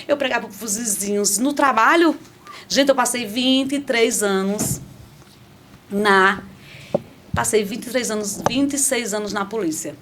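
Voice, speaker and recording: Middle-aged woman telling a lively testimony. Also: fairly high pitch, measured pace, slight background noise. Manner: animated storytelling with frequent restarts and asides to listeners. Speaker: podcast guest. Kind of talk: conversational faith testimony. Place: podcast studio.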